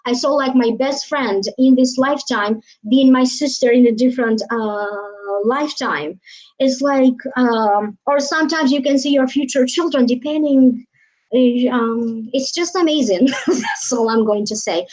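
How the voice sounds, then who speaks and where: A woman's voice: sits high, measured pace, darkish tone. A woman from Albania, talking casually on a live stream as a psychic reader, rambling with many fillers and trailing phrases. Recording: dull lo-fi live stream audio.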